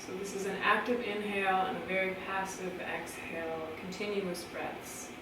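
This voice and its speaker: A woman's voice: mid-range voice, fairly even intonation, normal speed. A young adult woman vlogging at home in a casual, candid and reflective way. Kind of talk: casual vlog talk. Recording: echoey room, faint noise.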